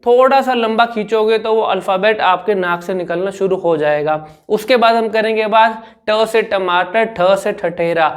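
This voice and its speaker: Brief: young male speech coach with a high voice, drills syllables over and over. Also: normal speed, hardly any pauses. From India. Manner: demonstrates sounds by repeating syllables. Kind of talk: speech therapy lesson.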